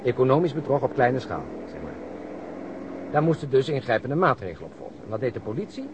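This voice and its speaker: An actor playing a wry, talkative police detective in a radio play, explaining things at length. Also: male voice, medium pitch, big pitch swings, quick pace, lo-fi sound. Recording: noisy old radio recording.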